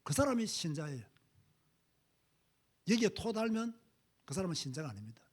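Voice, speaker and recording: A middle-aged male pastor preaching a sermon, emphatic, dropping to low asides and rising to loud exhortations. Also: very animated, normal speed, husky.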